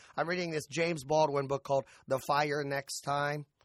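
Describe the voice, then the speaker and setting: Recorded very cleanly against a silent background, a man with an American accent speaks at a moderate pace in an ordinary speaking voice. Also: dry, close sound with no echo. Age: 30s. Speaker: comedian. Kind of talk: casual chat.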